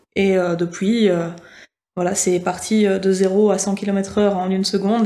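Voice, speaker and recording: Her tone is dark and mellow. The woman speaks with a monotone, flat intonation. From Belgium, province of Luxembourg. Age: 30s. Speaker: CrossFit athlete. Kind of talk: interview. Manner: hesitant, many fillers.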